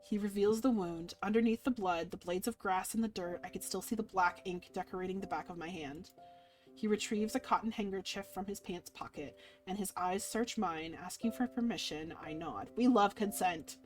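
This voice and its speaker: Girl streamer reading a visual novel out loud, playful n dramatic, normal pitch, bit of music behind. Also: moderate pace. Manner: expressive, playful. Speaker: game streamer. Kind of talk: dramatic read-aloud of visual novel with casual commentary. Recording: music playing underneath.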